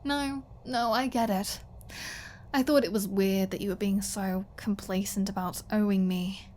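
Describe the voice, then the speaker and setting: A woman's voice: mid-range voice, fairly even intonation, measured pace, mellow, close to an everyday voice. A woman playing a flirty, defiant captive vampire in an ASMR audio roleplay, teasing and mocking with a sarcastic drawl. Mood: wry, bitter.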